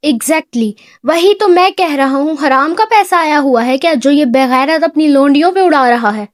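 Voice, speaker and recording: A woman reading aloud puts on a hot-headed young man from a storybook, loud and sarcastic, pitched well above a usual male voice and snapping out his lines fast. The sound is dry and close. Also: no room sound. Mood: indignant. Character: hot-tempered young man, mocking brother.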